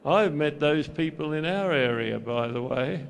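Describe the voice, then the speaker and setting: Brief: older Australian man preaching, slow and deliberate, a touch high, faint hiss behind. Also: animated, creaky. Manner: slow, measured storytelling in short phrases. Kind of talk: sermon delivered through an interpreter.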